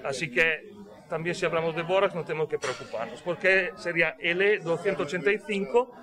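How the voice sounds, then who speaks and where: A man's voice: fairly high pitch, steady tone, brisk. A man, talking through a face mask as he explains caviar at a tasting, checking in with listeners as he goes. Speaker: caviar company representative. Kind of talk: explaining products at a tasting interview. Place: busy fish shop indoors. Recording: crowd noise in a shop. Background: crowd chatter.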